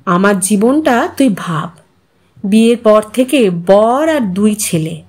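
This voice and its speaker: A woman's voice: mid-range voice, lightly acted. A woman voicing a talkative, content older housewife in a storybook reading, chatty, earnest and reflective. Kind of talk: storybook character dialogue.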